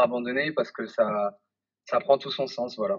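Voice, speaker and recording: This is a man with a medium pitch. He talks at a moderate pace. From France, Lyon. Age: 20s. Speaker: inline skating athlete. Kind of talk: interview. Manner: halting, many fillers.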